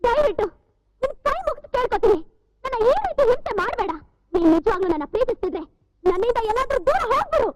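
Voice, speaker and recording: An actress with a Kannada accent playing a frightened young actress, pleading and then scornful, in a film drama. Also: female voice, extremely high pitch, lively intonation, fast, low-quality recording. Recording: film soundtrack with loud music.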